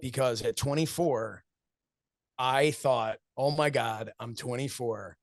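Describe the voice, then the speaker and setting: A man's voice: mid-range voice, slow pace, no room sound, clean studio sound. A man in his forties giving earnest, reflective interview answers, telling stories and acting out what friends said, with frequent laughs. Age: 40s. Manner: earnest, storytelling, acts out quoted friends, laughs often. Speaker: wrestling commentator and show host, interview guest.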